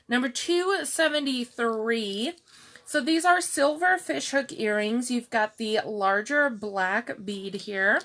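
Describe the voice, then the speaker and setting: A middle-aged woman with a calm, soft-spoken voice, chatting slowly through a live jewelry showcase and answering viewers by name. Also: a little high. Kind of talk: slow live-stream product showcase chat.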